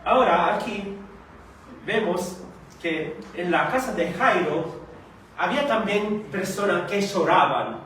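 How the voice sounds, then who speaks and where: A man preaching a sermon, speaking slowly and haltingly with frequent hesitations and rhetorical questions. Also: high voice, expressive, a bit bright, a little hiss or hum. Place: church meeting hall. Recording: echoey hall recorded from far off.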